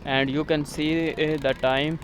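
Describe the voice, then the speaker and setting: Outdoors in a village near a road, a vlogger whose first language is Urdu speaks to the camera in halting English, frequently pausing on "uh." His slightly high voice shows little pitch movement, with faint traffic and outdoor noise underneath.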